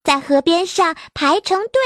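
A woman's voice: very high voice, unhurried, fairly bright tone, dry recording, studio quality. A woman voicing a clever, sly little white rabbit in a children's story. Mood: wheedling. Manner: coaxing, cheeky. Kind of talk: storybook character voice.

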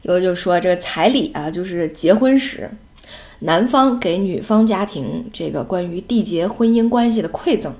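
A woman's voice: lowish voice, expressive, moderate pace, a little mellow. A woman in her forties from China, a mother chatting casually through family anecdotes, full of fillers with some English mixed in. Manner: chatty, with many fillers and Mandarin-English mixing. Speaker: mother, vlogger. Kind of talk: casual storytelling.

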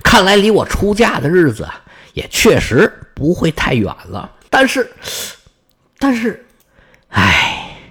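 A man voicing a reserved, sorrowful middle-aged noble lady who speaks in measured, sighing tones. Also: high voice, huge pitch swings, a bit bright, breathy edge, full character voice. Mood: wary.

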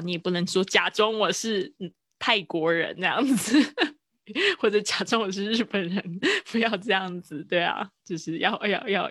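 Low-voiced woman teaching English phrases. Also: gravelly, a bit bright, no room sound, studio quality. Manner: explains in Chinese, slowly repeats English phrases for drilling. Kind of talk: live-stream language lesson.

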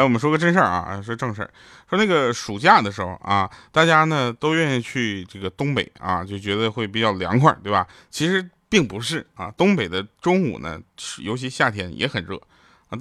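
Lively comic host. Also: male voice, lowish voice, no room sound, clean studio sound. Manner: lively, acts out quoted people in changed voices, laughs at his own jokes. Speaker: show host. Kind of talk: comic storytelling monologue.

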